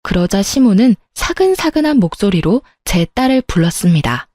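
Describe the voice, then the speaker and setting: Calm confiding woman storyteller, mellow tone, dry close recording. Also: medium pitch, moderate pace, no room sound. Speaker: story narrator. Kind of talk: scripted first-person story narration.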